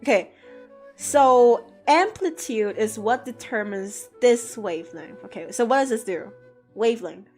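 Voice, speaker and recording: A woman streamer chatting with her viewers, her voice pitched a little high and swinging widely as she jumps into mock-dramatic outbursts. Soft music plays faintly behind her. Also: animated, measured pace. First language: English. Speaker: art streamer answering chat. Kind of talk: casual livestream chat.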